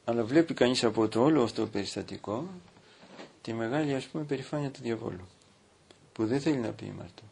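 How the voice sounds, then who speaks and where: A man preaching as a priest, reading from a book and stopping to comment, with slow, drawn-out emphasis. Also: mid-range voice, gravelly, a little mellow, a little hiss or hum. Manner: reads aloud from a book, breaking off to comment. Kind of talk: sermon.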